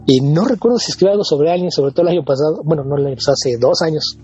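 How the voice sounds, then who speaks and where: A man's voice: fairly high pitch, rapid-fire, dark tone, lo-fi sound, faint music behind. A man with a Mexican Spanish accent, chatting casually as a podcast co-host and often repeating words as he restarts.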